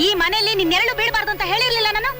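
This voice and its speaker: A woman's voice: extremely high pitch, rapid-fire. An actress playing a bitter, hostile stepmother who scorns her stepdaughter, with music under her. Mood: scornful. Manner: scornful, harsh, threatening. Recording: film soundtrack with music.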